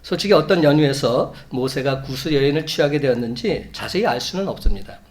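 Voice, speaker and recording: A man preaching a Sunday sermon as a pastor, measured, building to emphatic peaks. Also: medium pitch, lively intonation, a little mellow. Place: church sanctuary.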